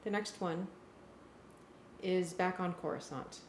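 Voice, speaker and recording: A woman's voice: fairly low pitch, steady tone, slow, a little mellow, slight background noise. A woman in casual working talk, a musician helping to prepare music cues. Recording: echoey room with music playing.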